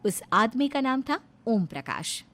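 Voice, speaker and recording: A woman narrating a cartoon storybook in a plain storytelling manner. Her voice sits a little high and moves up and down a lot. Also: big pitch swings, measured pace, a bit bright.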